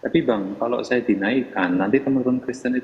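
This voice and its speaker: A man making measured, formal arguments in an online religious debate. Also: medium pitch, in a large hall, narrow, tinny audio. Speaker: debate participant.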